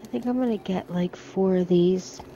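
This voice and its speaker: A middle-aged American woman chats her way through the aisles of a big discount store, thinking aloud about products. Her voice is mellow and soft-edged, picked up by a handheld phone, with faint store hum behind her. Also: fairly low pitch, moderate pace, muffled recording. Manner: chatty, thinking aloud while browsing. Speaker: shopping vlogger. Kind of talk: casual shop-with-me vlog. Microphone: handheld phone camera.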